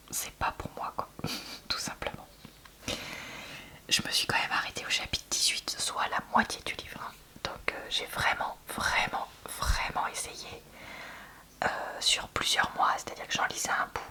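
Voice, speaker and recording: A woman speaks in a breathy library whisper, almost entirely unvoiced and crisp on the edges. She chats candidly in an ASMR book-review style, with a hushed, conversational delivery.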